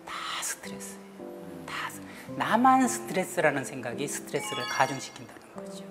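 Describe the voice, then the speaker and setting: Animated woman lecturing over background music. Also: rumbling low, a little fast, whispered. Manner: animated, acts out little scenes and has the panel repeat after her. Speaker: guest lecturer on stress. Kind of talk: lively talk show lecture with audience participation.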